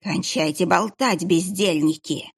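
A sinister hooded monk from an audiobook who hisses every threat in a slow, drawn-out, snake-like voice. The tone is low, gravelly and husky, as a woman narrator puts him on. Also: exaggerated voice. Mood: cold command. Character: sinister hooded male monk, menacing and cruel.

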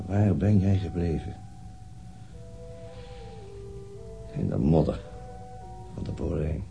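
An actor playing a world-weary, laconic police detective in a naturalistic radio crime drama, dry and deadpan. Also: male voice, extremely low pitch, creaky. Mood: brooding, muted. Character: brooding, world-weary male police detective, dryly sardonic.

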